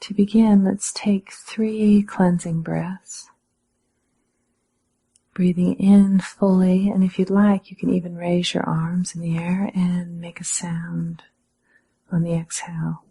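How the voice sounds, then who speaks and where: Gentle pauses mark the guided instructions of a female meditation teacher, whose delivery stays calm and measured. She has a somewhat low voice that's breathy with a touch of huskiness.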